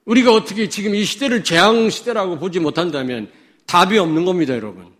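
Animated and brisk, a male pastor from Chungcheong in South Korea moves between forceful statements and low murmurs aimed at his listeners. He peppers the sermon with rhetorical questions.

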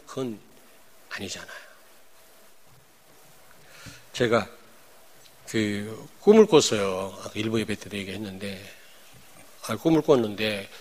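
A man, a pastor, preaching a sermon. He swings between loud declarations and hushed, chatty asides, and keeps throwing rhetorical questions at the congregation. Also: on the low side, big pitch swings, moderate pace, long pauses.

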